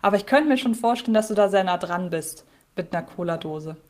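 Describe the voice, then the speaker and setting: A woman's voice: medium pitch, lively intonation, fast talker, darkish tone. A woman co-hosting a podcast in casual chat, retelling a radio-play episode with many fillers. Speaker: podcast co-host.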